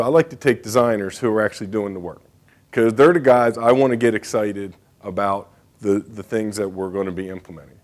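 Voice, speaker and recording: A man's voice: lowish voice, darkish tone. A man giving a conference presentation as a state bridge engineer, speaking casually with frequent fillers and asides.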